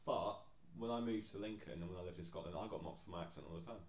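A man's voice: low-pitched, fast. A man co-hosting a podcast in casual banter, blunt, sweary and joking. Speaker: podcast co-host. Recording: roomy echo.

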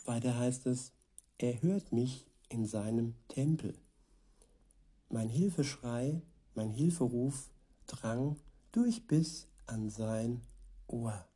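A man preaching in a devotional style, reading scripture and commenting on it. His voice is very dark and mellow, with a husky, breathy edge. He speaks extremely slowly and deliberately, often repeating lines. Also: medium pitch. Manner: slow, measured, repeats verses for emphasis.

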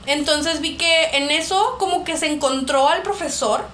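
A woman's voice: sits high, normal speed. A young woman with a Mexican accent, animatedly telling a personal story in a casual podcast chat, laughing often. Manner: animated, laughs often, acts out quoted voices. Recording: echoey room with faint noise.

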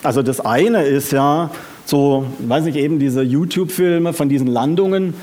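A man preaching a sermon, often asking the congregation questions and speaking with lively emphasis. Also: on the high side, normal speed.

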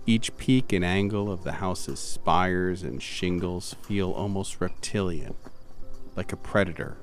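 A man narrating an atmospheric horror roleplay as game master, in a deliberate, theatrical, descriptive manner. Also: sits low.

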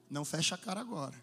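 A man preaching a sermon in pauses for an interpreter, swinging from quiet storytelling to shouted, half-sung calls. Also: on the high side. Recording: music under a long-echo church hall.

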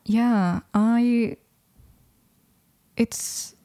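A woman's voice: a little high, steady tone, very slow, mellow, no echo. A woman of twenty, raised in Mexico with Russian as her first language, talking thoughtfully in a casual interview with many restarts. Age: 20s. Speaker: guest.

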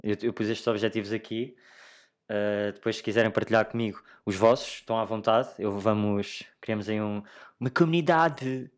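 A young adult man with a European Portuguese accent hosting a solo podcast in a casual, slangy chat, thinking aloud haltingly and addressing listeners directly. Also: lowish voice, flat delivery. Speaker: podcast host.

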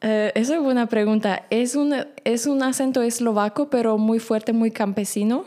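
A woman whose first language is Slovak, speaking as a podcast guest in a casual chat, pausing often with fillers. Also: fairly high pitch, fairly even intonation, mellow. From Slovak minority in Romania. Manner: hesitant, many fillers.

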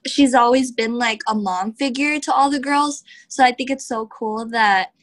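Chatty young woman wrestler, fairly high voice. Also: normal speed, a bit bright. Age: young adult. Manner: chatty, heavy use of "like", laughs often. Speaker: professional wrestler, interview guest. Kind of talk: casual interview answers.

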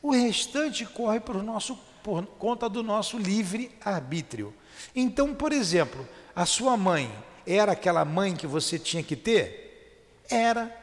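A man's voice: sits high, fairly bright tone. A man teaching spiritist doctrine, emphatic, asking questions and answering them himself. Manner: emphatic, asks and answers his own questions. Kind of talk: didactic explanation with rhetorical questions. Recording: reverberant room.

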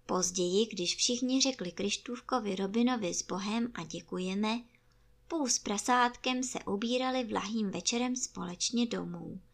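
A woman reading a children's book aloud in a calm, gentle storytelling manner. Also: medium pitch, vocal fry.

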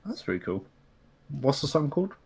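A man's voice: medium pitch, big pitch swings, brisk, a little mellow, husky. A man talking casually in a podcast conversation. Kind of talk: casual chat.

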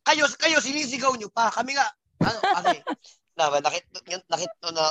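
A man with a high voice holds forth in a rowdy group chat, telling crude jokes with animated, playful timing. Other voices chatter around him on the recording. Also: brisk. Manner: joking, crude, animated storyteller. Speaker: podcast co-host. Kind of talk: raunchy casual banter.

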